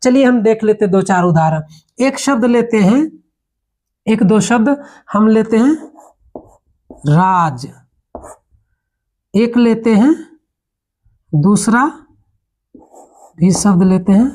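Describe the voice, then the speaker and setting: A man teaching a Hindi grammar lesson, explaining patiently, repeating each word slowly and often checking that his listeners follow. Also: sits high, animated, darkish tone. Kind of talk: classroom lesson.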